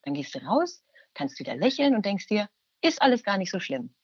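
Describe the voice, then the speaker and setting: A woman in her thirties, a mother of three, chatting casually and giving frank, lively advice. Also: medium pitch, moderate pace, breathy edge, dry recording. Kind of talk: casual chat. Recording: slightly dull, lo-fi sound.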